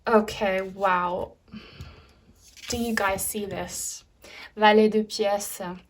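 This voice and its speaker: A woman's voice: mid-range voice, fairly even intonation, drawn-out words, slight background noise. A woman whose first language is German, giving a casual pick-a-card tarot reading to her viewers with lots of fillers and asides. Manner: chatty, many fillers, addresses viewers as guys. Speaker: tarot reader.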